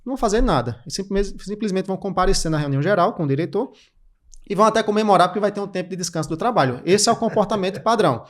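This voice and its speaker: Brazilian guy on a podcast, quick clipped lists, talks fast and a bit high. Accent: Brazilian Portuguese. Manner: energetic, lists points in quick clipped phrases. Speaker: podcast guest. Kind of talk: didactic interview talk.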